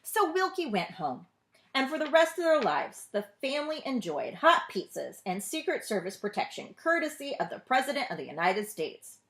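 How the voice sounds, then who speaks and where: A woman reading a storybook aloud to children as a librarian, with expressive narration. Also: sits high, normal speed.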